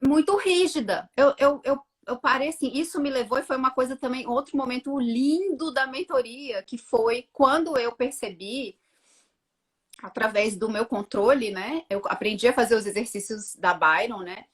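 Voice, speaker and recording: A woman in her thirties, a mother telling her story on a casual live chat, acting out her own words with lively energy. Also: a little high, normal speed, husky. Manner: animated storytelling, acts out her own quotes. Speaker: guest, mother of two.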